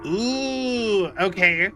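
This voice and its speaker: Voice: medium pitch, very slow, sharp tone, soft background music. A game streamer giving casual live commentary, rambling and thinking aloud while playing. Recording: clear game noise behind voice.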